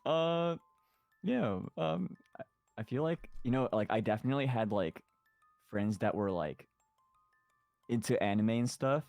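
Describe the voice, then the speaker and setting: A man's voice: medium pitch, animated, unhurried, pauses often, a little mellow, no room sound, faint music behind. A young man chatting casually, giggling often and filling his speech with likes and ums. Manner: giggly, lots of fillers and gasps. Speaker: streamer. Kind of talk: casual chat.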